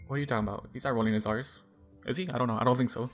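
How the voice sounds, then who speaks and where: A man's voice: medium pitch, fairly even intonation, racing. Male amateur narrator: mid-range, informal, stumbling story reading with chatty asides, faint music underneath. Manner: informal, stumbles over words. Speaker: fan fiction reader.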